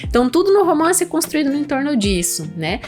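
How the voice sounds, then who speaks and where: A woman's voice: high voice, sing-song, quick pace, a little mellow, soft background music. A woman with a Brazilian accent co-hosting a literary podcast, explaining things conversationally with frequent tag questions. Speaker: podcast co-host.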